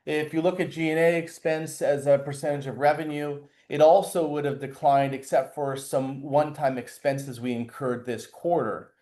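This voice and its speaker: A man speaking as a chief executive, giving a formal, scripted financial results presentation in a measured way, occasionally stumbling over words. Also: fairly high pitch, steady tone, mellow. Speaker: company chair and CEO presenting.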